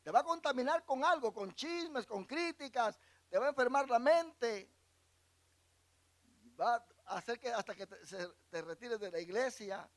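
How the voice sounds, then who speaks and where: In this clip a man with a very high, animated voice speaks unhurriedly as a pastor teaching Bible class. He reads scripture aloud, explains it, and asks the congregation questions, leaving gaps for them to complete.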